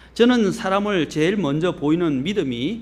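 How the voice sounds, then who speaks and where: A man talks at a moderate pace in a high voice. His intonation is lively, and the room echo is audible. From Gyeongsang Province, Korea. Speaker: pastor. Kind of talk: sermon.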